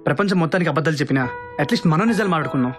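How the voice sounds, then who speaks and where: An actor as persuasive young groom, high-pitched voice. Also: male voice, expressive, racing, close to an everyday voice. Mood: earnest. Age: young adult. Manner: emphatic, coaxing, full of rhetorical questions. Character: persuasive, teasing young groom scheming a sham marriage. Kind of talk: film dialogue, Telugu mixed with English. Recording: film soundtrack with loud background music. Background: music.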